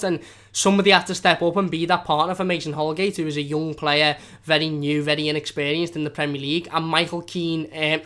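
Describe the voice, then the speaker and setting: A man's voice: on the high side, pushed and bright. A young man with a strong Scouse accent, hosting a fan channel live stream in casual, rambling chat with frequent restarts. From Liverpool area of England.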